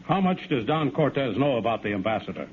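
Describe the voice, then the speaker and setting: An actor playing a measured, questioning senior army officer in a 1950s radio drama. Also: male voice, medium pitch, sing-song, slight background noise, close to an everyday voice. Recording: tinny 1950s radio broadcast.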